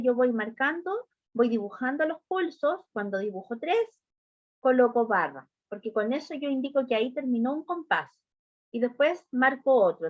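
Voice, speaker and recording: A woman with a high voice teaches a music class, explaining each idea patiently and stopping often to ask whether her students are following. The sound is dry and close, with a dull, lo-fi tone. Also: no room sound. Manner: patient step-by-step explaining, often checking understanding with short questions. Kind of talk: online class lesson.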